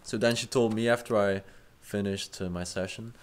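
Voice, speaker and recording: A man's voice: on the low side, fairly even intonation, normal speed. A young man hosting an improvised chat, rambling with fillers and restarts and swearing casually. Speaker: host.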